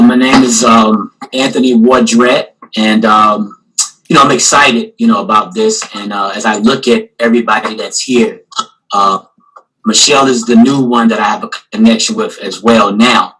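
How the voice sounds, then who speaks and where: A man's voice: mid-range voice, pushed and bright, slightly rough, rough recording. A man, an artist and guest curator, talking casually on a video call panel and filling his sentences with "you know". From Newport News, Virginia. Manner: rambling, many "you know" fillers.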